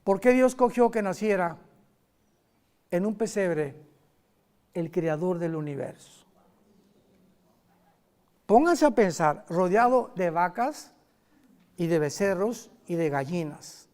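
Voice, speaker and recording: Lively preacher man. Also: high-pitched, smooth. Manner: lively, conversational preaching with sudden loud emphasis and quick asides. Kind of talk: sermon.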